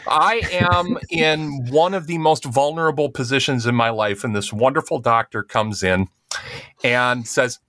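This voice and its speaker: Co-hosting a casual comedy podcast, this man tells long, wandering stories at his own expense. He speaks at a measured pace in a medium-pitched voice that sounds pushed and bright, and the recording is dry.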